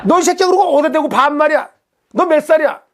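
A man voicing a hot-tempered male angler who yells and swears in the night. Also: extremely high pitch, quick pace, background noise, pitched above the performer's own voice. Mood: furious. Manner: shouting, swearing.

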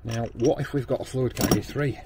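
Heavy noise surrounds this man, a plumber and backflow tester with a Northern English accent who gives a step-by-step practical training demonstration at a workshop bench. His medium-pitched voice stays steady and fast, with frequent ums and restarts.

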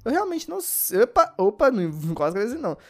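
A sleepy, worn-out man with a Brazilian Portuguese accent, giving let's-play commentary and yelping excitedly at the game. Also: extremely high pitch, quick pace. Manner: excitable, yelps and shouts at the game. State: sleepy and exhausted. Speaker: gaming YouTuber.

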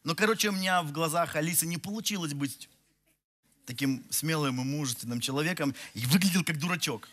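A man's voice: fairly high pitch, fairly quick, a bit bright. A man in his forties, a pastor, preaching to a church hall audience through a headset mic, telling a self-mocking story with many restarts. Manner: walks the stage, gesturing. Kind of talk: sermon with humorous personal story.

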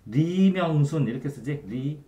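Male tutor, animated delivery, keeps checking the student understands. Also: a little high, measured pace. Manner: trailing off quietly at the ends of phrases. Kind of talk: one-on-one Korean grammar tutoring. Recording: echoey room.

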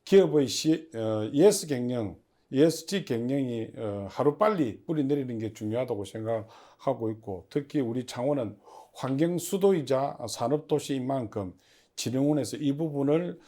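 A man giving formal, prepared interview answers as an agency official, in measured and stiffly official phrasing. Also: mid-range voice, lively intonation, warm tone. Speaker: head of a public industry agency, interview guest.

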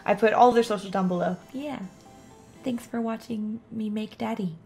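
A woman's voice: fairly high pitch, moderate pace, vocal fry, mellow, soft background music. A young woman hosting a casual crafting vlog, chatty and playful, swearing freely as she walks through her costume. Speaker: cosplayer and video host.

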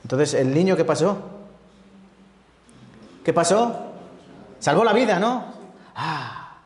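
Evangelist in an echoing church hall. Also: male voice, fairly high pitch, slow pace. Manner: lively, asks the congregation many rhetorical questions. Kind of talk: sermon. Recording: echoey reverberant church hall.

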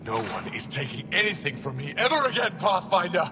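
A man's voice: high-pitched, very animated, fairly quick, in a large hall, noisy background. A man voicing a furious, aggrieved alien pirate boss in a video game, bitter and menacing. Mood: enraged. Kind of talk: video game villain acting.

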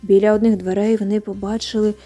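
A woman narrating a children's bedtime story with a gentle, expressive reading. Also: medium pitch, quick pace, faint music behind.

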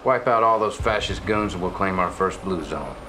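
An actor playing a gloating, crude rebel military officer giving a swaggering briefing in a video game. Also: male voice, sits low, lively intonation, moderate pace. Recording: heavy background noise.

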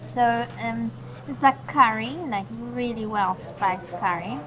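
A woman's voice: a little high, takes it slowly, low-quality recording. A woman talking casually as a travel vlogger, eagerly explaining plans and describing food at an open-air eatery. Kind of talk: casual vlog talk. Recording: loud rain noise behind.

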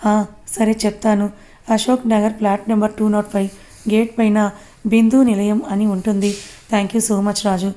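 A woman's voice: medium pitch, little pitch movement, moderate pace, warm tone, close to an everyday voice. A woman voicing a polite young man who eagerly helps.

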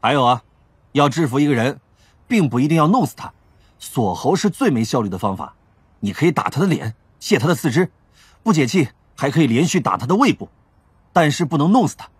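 Cool police captain, husky and animated. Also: male voice, mid-range voice, a little fast, dry recording. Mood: instructive. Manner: leisurely, teasing, firm. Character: cool, amused, self-assured male police captain. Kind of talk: audio drama dialogue.

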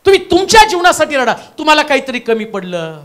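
Male pastor, church sermon, swings from shouting to quiet, lively pitch. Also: quick pace. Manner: preaching in bursts, shifting from loud to hushed, repeating the reader's words. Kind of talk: Pentecostal sermon.

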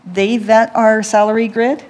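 A woman, a library system executive, answering council questions in a clear, businesslike way from a council chamber desk mic. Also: fairly high pitch, flat delivery, measured pace, darkish tone. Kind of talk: formal presentation answers.

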